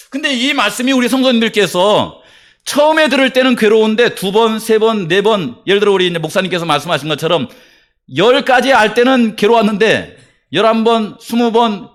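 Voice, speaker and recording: A man's voice: high-pitched, fairly bright tone. A male pastor preaching a sermon, asking the congregation questions and telling stories with emphasis.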